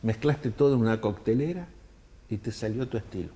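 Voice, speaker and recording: An older man from Argentina, telling long animated anecdotes in an interview and acting out the people he quotes. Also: medium pitch, fairly quick. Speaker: world traveler telling his story. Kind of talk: storytelling interview answers.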